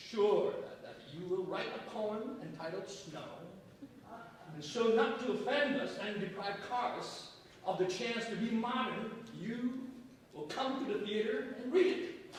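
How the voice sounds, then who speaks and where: Man acting a high-voiced, self-assured newspaper editor. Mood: gleefully smug. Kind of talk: staged play reading. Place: theater stage, before an event audience. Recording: echoey stage, distant mic, faint noise.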